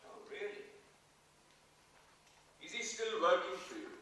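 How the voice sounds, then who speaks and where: A man's voice: sits high, sing-song, a little slow, bright, forceful tone, exaggerated voice. A man playing the dry, sardonic, jealous companion of an academic in a dramatised play reading. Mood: sardonic, wounded. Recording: noisy echoey hall, far from mic.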